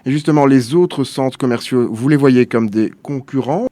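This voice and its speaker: A man's voice: mid-range voice, normal speed, mellow, dry recording. A man hosting a radio interview, reading neat scripted questions and introductions. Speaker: radio host.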